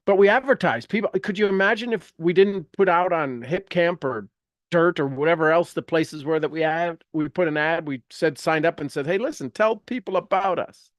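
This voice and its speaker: There's no echo as a man with a somewhat high voice, speaking at a moderate pace, teaches an informal live motivational session. He alternates between reading passages from a self-help book and rambling, emphatic asides, frequently breaking off and repeating phrases to drive points home.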